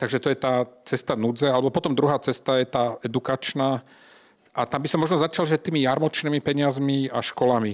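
A man with a Slovak accent speaks at a fairly quick pace and medium pitch, with fairly even intonation and very even loudness. The recording is very clean with a silent background and sounds dry and close with no echo. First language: Slovak (speaking Czech). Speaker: civic association representative. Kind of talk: panel discussion.

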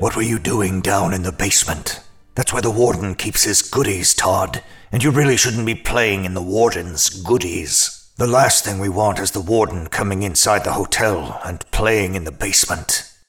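A man's fairly low voice at a moderate pace. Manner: irritable, contemptuous, dry.

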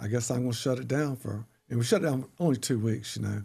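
A man with a Southern US accent, dark, mellow tone and fairly quick pace. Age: 60s. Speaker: surf shop owner. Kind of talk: casual interview chat.

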